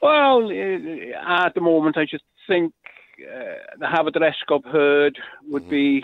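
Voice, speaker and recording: A man talks at a very slow pace. He has a North Welsh accent. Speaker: cattle breeder. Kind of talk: interview. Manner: halting.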